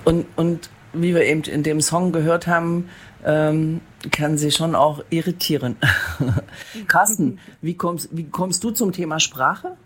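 A podcast host keeps the chat moving, talking quickly and putting questions to the guests. The voice sits at a medium pitch, with faint noise behind it. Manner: lively, quick, asks questions. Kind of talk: casual chat.

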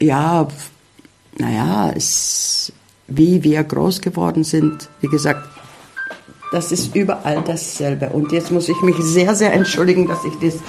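A middle-aged man, a guest in a casual interview, talking haltingly with many fillers as he searches for words. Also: on the high side, vocal fry, a little mellow, faint music behind.

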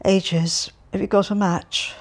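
A woman doing an impatient young man who grumbles and answers in short, curt bursts. His voice is near the reader's own, mid-pitched and unhurried between outbursts. An audiobook character with little patience. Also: level tone. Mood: irritable. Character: irritable, impatient young man stuck in the dark.

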